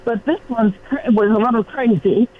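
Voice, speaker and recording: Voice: mid-range voice, moderate pace. A caller in their nineties on a garbled phone line that sounds underwater, talking in a worried, rambling way. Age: 90s. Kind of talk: call-in radio chat. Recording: tinny, noisy, bubbling phone line.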